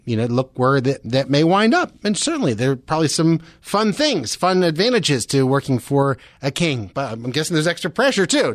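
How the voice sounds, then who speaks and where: A man's voice: mid-range voice, dry recording, clean studio sound. A man hosting a Christian talk radio show, speaking conversationally in an earnest, encouraging, explanatory way. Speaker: radio host.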